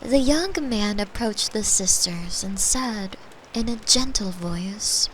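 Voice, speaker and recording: Woman as gentle girlfriend telling a very slow bedtime story. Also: mid-range voice, expressive, a little hiss or hum, rough recording. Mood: gentle, soothing. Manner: gentle, unhurried, playful asides to the listener. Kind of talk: soft bedtime storytelling, sleep-aid roleplay.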